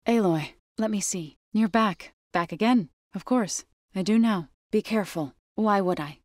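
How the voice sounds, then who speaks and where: A woman's voice: mid-range voice, no echo, natural voice. Zo, earnest tribal warrior woman played by an actress, dry sound. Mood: calm, friendly. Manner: measured, formal, earnest phrasing. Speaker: video game voice actor. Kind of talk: game character voice lines.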